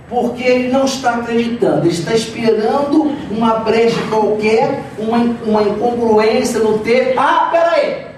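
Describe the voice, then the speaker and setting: A man giving a public spiritist lecture, retelling scenes with humor and lively storytelling. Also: very high-pitched. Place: spiritist center hall. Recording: very echoey hall, distant mic, faint noise.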